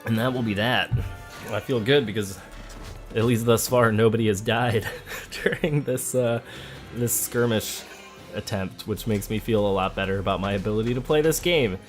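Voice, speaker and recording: Male let's play host, lowish voice, conversational and thinking aloud, light music behind. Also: moderate pace. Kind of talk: casual game commentary. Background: game music.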